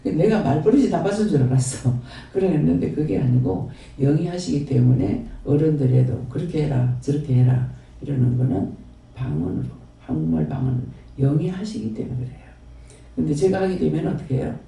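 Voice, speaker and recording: Gravelly Gyeongsang pastor in echoing hall. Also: male voice, a little high, sing-song, a little fast, dark tone. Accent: Gyeongsang Korean. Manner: rambling, repetitive, folksy. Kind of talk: sermon and closing prayer. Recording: very echoey hall, distant mic.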